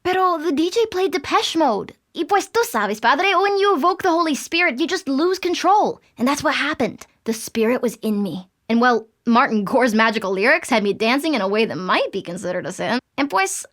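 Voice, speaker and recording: Cheeky teen Latina girl, high voice, swooping intonation, rambling, dramatic, comic audio drama. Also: very animated, normal speed, hardly any pauses, fairly bright tone. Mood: giddy confessing. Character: excitable, cheeky fourteen-year-old Latina girl. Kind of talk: comic audio fiction acting.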